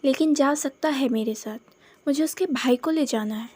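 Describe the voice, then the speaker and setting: A woman's voice: high voice, normal speed, a little mellow, no room sound, close to an everyday voice. A woman voicing a playful, charming young man who teases his friends. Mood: teasing.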